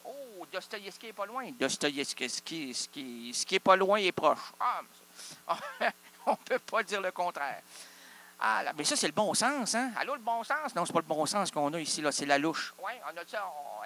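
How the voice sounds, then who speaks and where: A man's voice: high voice, sharp tone, a little hiss or hum. A man with a Québécois accent improvising an absurd comic monologue, rambling through wordplay and asking and answering his own questions. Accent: Québécois French. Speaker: comic performer.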